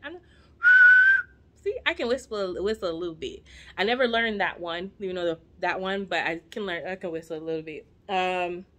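A woman's voice: on the low side, wildly swooping pitch, normal speed, pushed and bright. A woman in her forties, born in Jamaica and raised in the United States, chatting at home to the camera in a rambling, playful way with asides to her viewers. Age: 40s. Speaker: vlogger. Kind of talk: casual chat to camera. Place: living room at home. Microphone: camera at arm's length.

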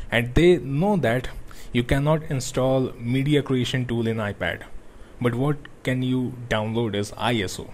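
A man's voice: medium pitch, a little mellow, a little hiss or hum. Non-native man explaining step by step. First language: not English. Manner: non-native English with grammar slips, many "uh" pauses. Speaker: tech tutorial host. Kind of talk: screen-recorded tutorial.

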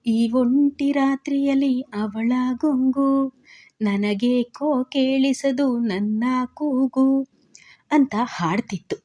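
A woman narrating a romance story in a calm, steady manner. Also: medium pitch, breathy edge.

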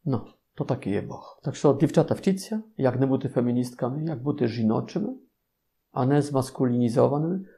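A man's voice: medium pitch, lively intonation, normal speed, dark tone. A man with a Polish accent, a Capuchin friar giving an informal sermon with playful, ironic asides to his listeners.

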